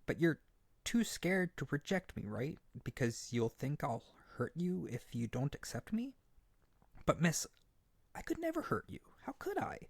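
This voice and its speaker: Male actor as young bird-boy creature, audio roleplay, gentle, insecure, stammering, lightly gravelly voice, close dry sound. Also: fairly high pitch, big pitch swings, a little slow, dry recording, exaggerated voice. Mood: hurt, pleading. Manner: hesitant, stammering, tender and earnest. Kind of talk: roleplay audio drama spoken intimately to the listener.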